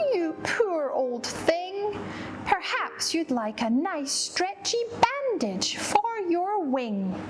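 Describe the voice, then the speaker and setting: A woman uses a put-on character voice at an extremely high pitch and a very slow pace. Loud background noise runs underneath. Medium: read story.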